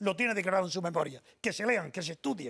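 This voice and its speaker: A man speaks with a high pitch. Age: 80s+. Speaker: political thinker on a debate show. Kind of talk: studio panel discussion. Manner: halting, with many restarts.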